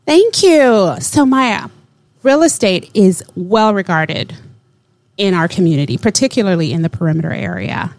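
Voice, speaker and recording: A woman's voice: medium pitch, expressive, normal speed, darkish tone, dry recording. A woman hosting a podcast interview, opening with an upbeat, scripted welcome and asking questions. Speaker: podcast host.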